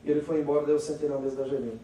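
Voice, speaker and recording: Brazilian pastor preaching in an echoey hall. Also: male voice, fairly high pitch, steady tone, very fast. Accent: Brazilian Portuguese. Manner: preaching loudly, then drops to a quiet storytelling voice. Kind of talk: sermon. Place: large church hall. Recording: echoey church hall from far off, faint noise.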